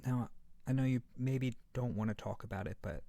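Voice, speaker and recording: A man playing a gentle, fluffy monster from under the bed in a soft-spoken ASMR roleplay, hesitant and reassuring, very close to the mic. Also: medium pitch, moderate pace, no room sound, natural voice. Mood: comforting, earnest. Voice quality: soft, breathy at times. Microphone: very close to the microphone.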